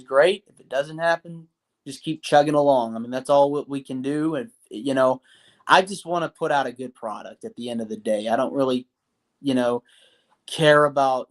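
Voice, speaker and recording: A man's voice: mid-range voice, fairly bright tone. Earnest man rambling with fillers. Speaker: podcast guest. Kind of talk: casual interview talk.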